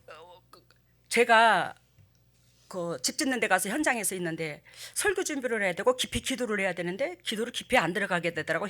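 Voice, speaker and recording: An older woman pastor, preaching a sermon and telling stories with animated acted-out quotes. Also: on the low side. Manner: animated storytelling, acting out quotes.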